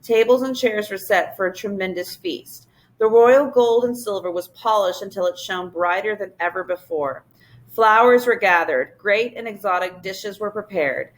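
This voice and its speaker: A woman teacher reading a children's novel aloud to her class in a steady, expressive narration. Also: mid-range voice, normal speed, poor audio.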